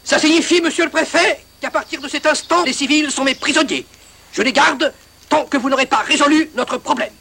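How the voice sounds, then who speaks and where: A man's voice: very high voice, fairly quick, gravelly, pushed and bright, full character voice. A man playing a stubborn army officer in a film comedy, giving orders in a clipped, commanding military way.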